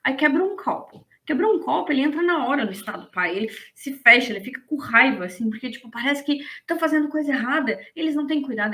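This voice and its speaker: A woman, explaining ideas in a casual, animated lesson and checking in with her listeners. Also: sits high. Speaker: business management instructor.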